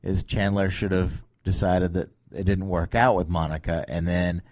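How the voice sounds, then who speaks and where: A man hosting a podcast in casual, joking banter, talking in a meandering, halting way on a close mic. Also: low-pitched, fairly even intonation, a little mellow, no room sound. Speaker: podcast host.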